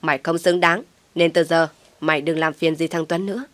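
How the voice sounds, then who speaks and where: A woman voicing a harsh, contemptuous older mother-in-law who scolds loudly. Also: deep voice, fairly even intonation, a little fast, no room sound, lightly acted. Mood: scornful.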